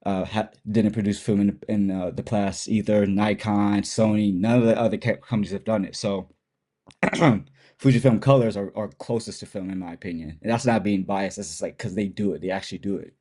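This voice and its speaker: A man with a low, mellow voice sounds stuffed up and nasal from a cold. He talks through camera gear on a podcast in a loose, rambling way, trailing off and restarting as he goes. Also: brisk. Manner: relaxed, rambling with restarts and laughs. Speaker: guest photographer and cinematographer. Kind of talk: casual podcast chat.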